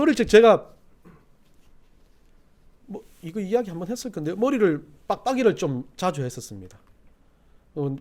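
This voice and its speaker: A middle-aged man preaches in a church, his voice sitting high and moving widely up and down. He drifts between chatty, quiet anecdotes and loud, pressing exhortation. The delivery is that of a pastor at the pulpit. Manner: folksy storytelling, swinging from quiet asides to loud exhortation. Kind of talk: sermon. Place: church sanctuary.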